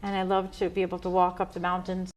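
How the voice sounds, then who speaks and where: A woman's voice: on the low side, quick pace, poor audio. Woman from the US telling a story. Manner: lively storytelling, self-amused. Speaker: guest musician. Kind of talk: anecdotal interview chat.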